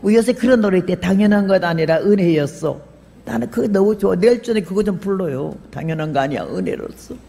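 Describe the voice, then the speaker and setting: An older woman missionary preaching a sermon, telling her own story with lively acted-out voices and sudden shouts. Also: medium pitch, quick pace, creaky. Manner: animated storyteller, acts out quoted voices, bursts into shouts. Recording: long hall reverb.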